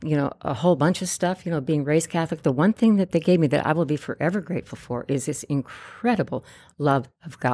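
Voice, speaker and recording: A woman with a very deep, low voice speaks at a fairly quick pace with lively intonation, on a very clean recording with a silent background. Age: 70s. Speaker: church prayer ministry staff. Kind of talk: interview conversation. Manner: halting.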